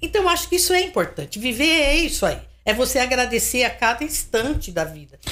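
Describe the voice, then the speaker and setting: This woman's voice is high in pitch and moves at a fairly quick pace. Her pitch swings very widely. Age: 60s. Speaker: retired teacher. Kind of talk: interview.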